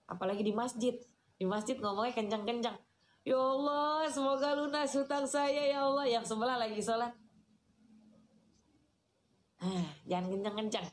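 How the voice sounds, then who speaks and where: A woman, giving a lively, chatty sermon and answering questions from the audience. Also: mid-range voice. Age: 40s. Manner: chatty, teasing, addresses listeners as "Kak". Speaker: Islamic preacher.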